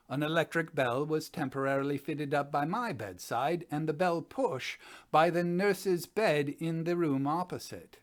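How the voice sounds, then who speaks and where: A man in his sixties playing a sober, methodical gentleman scientist, reading a formal report deliberately as a dramatic piece. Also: a little high, close to an everyday voice. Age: 60s. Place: indoors, small study.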